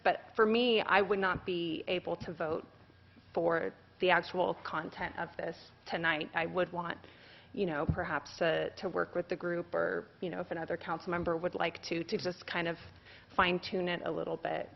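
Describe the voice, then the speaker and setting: A woman's voice: lowish voice, flat delivery, moderate pace, vocal fry, muffled recording, a little hiss or hum. A woman speaking as a council member at a public meeting, polite and hedging, with frequent restarts.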